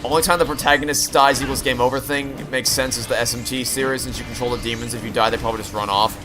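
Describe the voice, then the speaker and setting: A man's voice: mid-range voice, fairly even intonation, quick pace. A young man giving casual, opinionated, rambling commentary as he plays through a video game. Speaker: video game playthrough streamer. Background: game music.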